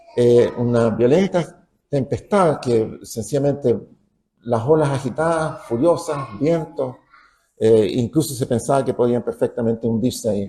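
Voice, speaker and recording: Dark and mellow, a man's somewhat breathy voice sits at medium pitch with ordinary variation. He speaks at a fairly slow pace. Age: 80s+. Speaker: preacher. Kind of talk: sermon.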